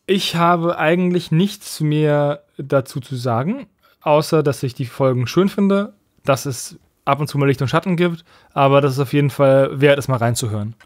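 A male podcast co-host chats casually. His voice is a little higher than most men's, recorded dry with no room sound. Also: normal speed, no echo. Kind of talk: casual chat.

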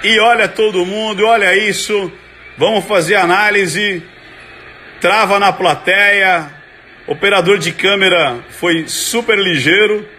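Brazilian man, high bright voice, animated live commentary, exclamatory. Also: measured pace, a little hiss or hum. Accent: Brazilian Portuguese. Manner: excited, exclamatory, breaks into sudden shouts. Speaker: body language analyst.

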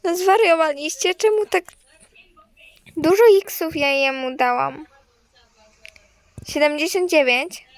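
A woman's voice: high voice, slow, pauses often. A young woman streamer commenting on her game and talking straight to her viewers, gushing and sometimes shrieking. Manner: gushing, talks to viewers, shrieks when winning. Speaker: gaming streamer. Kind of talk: excited gameplay commentary.

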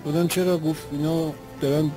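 A man's voice: on the high side, flat delivery, dark tone, soft background music, poor audio. A man giving spoken testimony as an eyewitness, retelling events in an earnest, vivid way.

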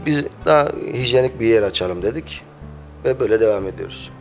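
A man's voice: medium pitch, expressive, brisk, darkish tone. A man in his thirties who owns a cafe, answering interview questions hesitantly with many filler sounds, speaking into a handheld mic held by the interviewer in a small cafe. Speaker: cafe owner. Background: faint music.

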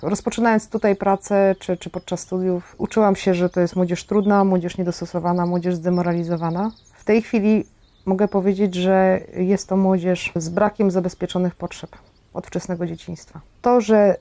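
A woman with a fairly low, soft-edged voice talks as an educator reflecting on her work. Her delivery is measured, articulate and sincere. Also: steady tone. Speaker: youth care educator.

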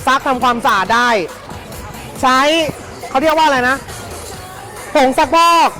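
A live-stream seller giving a fast, hyped sales pitch for second-hand clothing, chatty and persuasive, repeating phrases for emphasis. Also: pushed and bright, soft background music, a faint crowd.

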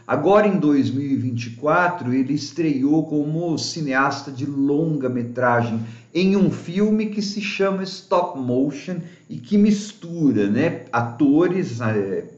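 A man hosting his own channel, reviewing a film in a chatty way with frequent tag questions and hesitations. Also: a little high. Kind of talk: casual spoken film review. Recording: echoey room, dull lo-fi sound.

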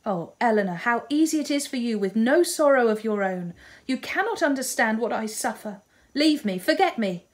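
A woman's voice: fairly high pitch, animated, normal speed, pitched above the performer's own voice, close to an everyday voice. Woman doing a heartbroken, pleading young lady. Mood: grief-stricken. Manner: tearful, pleading, dramatic. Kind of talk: audiobook character reading.

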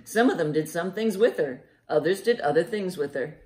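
Expressive woman reading storytime, lowish voice. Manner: expressive, deliberate, child-directed. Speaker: library storytime host. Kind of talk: animated children's storybook reading. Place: living room, indoors by a fireplace. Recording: roomy living-room echo.

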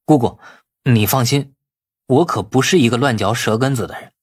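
A man's voice: mid-range voice, moderate pace, slightly rough, close to an everyday voice. A man playing an eager, easily flustered young nephew in an audiobook, speaking colloquially and expressively to his aunt.

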